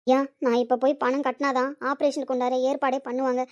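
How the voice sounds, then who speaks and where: Woman as a young woman pleading for help, high and fast, audio drama. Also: level tone, highs cut off, close to an everyday voice. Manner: pleading, urgent. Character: desperate young woman needing money for her father.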